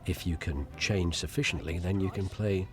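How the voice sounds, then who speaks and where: A man's voice: deep voice, moderate pace. A man, an actor, explaining performance capture with some amusement.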